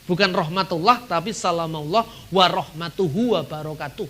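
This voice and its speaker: A middle-aged man from Indonesia giving an animated seminar talk, acting out dialogues and chuckling now and then. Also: on the high side, normal speed. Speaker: seminar speaker.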